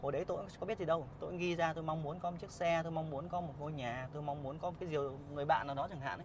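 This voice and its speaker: In a room with audible echo, a man talks at a very fast pace in a fairly high pitch with ordinary pitch variation. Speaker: motivational vlogger. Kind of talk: casual motivational talk to camera. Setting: in a car.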